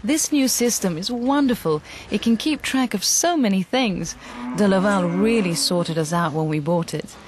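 A woman's voice: medium pitch, moderate pace, a little mellow, slight background noise, close to an everyday voice. A woman voicing a proud farmer's wife. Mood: content. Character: proud dairy farmer's wife, practical and content. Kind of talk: scripted promotional voice-over. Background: music.

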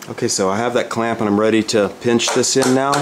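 A man's voice: mid-range voice, fairly even intonation, quick pace, noisy background. An older man in a woodworking shop, thinking aloud as he demonstrates a project and often restarts his sentences. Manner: thinking aloud while working, frequent restarts. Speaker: woodworking instructor. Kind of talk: casual workshop demonstration.

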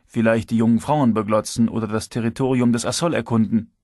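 A man narrating an audiobook in the first person, reading in an even, measured way. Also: mid-range voice, dry recording, clean studio sound.

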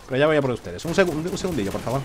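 A man's voice: mid-range voice, big pitch swings, rapid-fire. A man giving live, jokey commentary on a shooter game and taunting the enemies. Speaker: gameplay commentator.

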